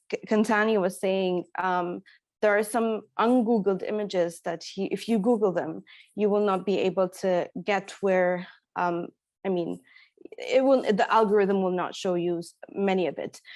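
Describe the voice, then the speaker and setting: A woman's voice: medium pitch, a little mellow, no echo. A woman from Egypt giving a conference presentation, speaking hesitantly with many fillers and restarts. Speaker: speaker presenting at an academic talk.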